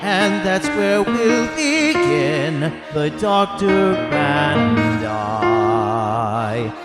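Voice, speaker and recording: A woman acting a hopeful, dreamy young woman in a theatrical musical number. She takes her lines very slowly, half sung. Loud music plays and a long reverb trails her voice. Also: low voice, expressive, exaggerated voice.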